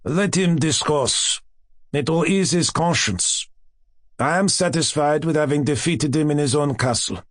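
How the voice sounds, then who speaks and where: A man voicing a cool, self-satisfied gentleman detective in an audiobook, with a deliberate, condescending manner. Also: fairly high pitch, no room sound, studio quality, natural voice. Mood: smug, dismissive.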